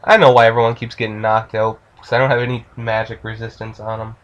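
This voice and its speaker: A man's voice: fairly low pitch, flat delivery, quick pace, fairly bright tone, muffled recording. A man giving loose, joking let's play commentary while he plays, swearing freely. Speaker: gamer.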